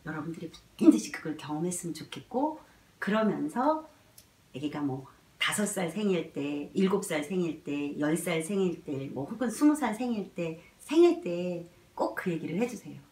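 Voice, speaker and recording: A woman teaching parents in a spoken lecture, telling lively stories full of fillers and acting out mothers and toddlers, sometimes dropping to a soft whisper. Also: lowish voice, normal speed. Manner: animated storytelling, acts out mothers and toddlers, drops to soft whispers; many filler words. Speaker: child development educator. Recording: roomy, mic at a distance.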